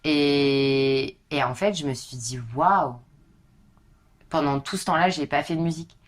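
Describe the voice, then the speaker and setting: A young woman with a deep, husky speaking voice talks loosely and informally as a podcast guest. She strings long stories together with lots of casual fillers. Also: fairly even intonation, moderate pace. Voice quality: low husky voice. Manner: chatty, informal, many fillers.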